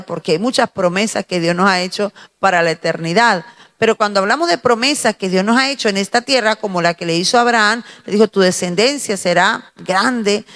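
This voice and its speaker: A woman with a Spanish accent from Spain giving a slow, emphatic morning devotional sermon, pausing and repeating her phrases as she preaches. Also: on the high side, fairly bright tone, in a large hall.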